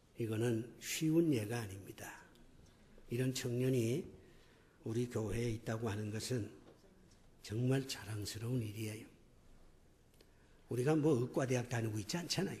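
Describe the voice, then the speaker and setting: With long, frequent pauses and audible room echo, a man speaks at a moderate pace in a medium pitch with ordinary variation and a dark, mellow, somewhat breathy tone. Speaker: pastor. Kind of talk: church announcements. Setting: church.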